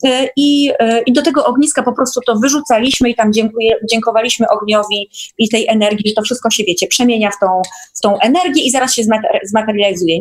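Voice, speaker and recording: A woman guest casually recounting experiences in an online meeting, chatty and often seeking agreement. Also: a little high.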